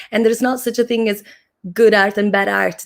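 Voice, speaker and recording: On a very clean recording with a silent background, a woman with a non-native accent speaks with ordinary pitch variation. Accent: foreign. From Italy. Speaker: theatre artist. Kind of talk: panel talk. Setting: symposium panel.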